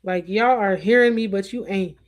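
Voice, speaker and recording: A woman hosting a livestream talks casually to viewers at normal speed in a medium-pitched voice. She rambles conversationally, restarting thoughts and adding asides.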